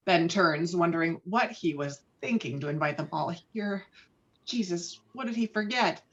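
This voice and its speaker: A woman's voice: fairly low pitch, lively intonation, normal speed, fairly bright tone. A woman reading screenplay stage directions as narrator at an online table read. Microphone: video call. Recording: dull lo-fi online call audio.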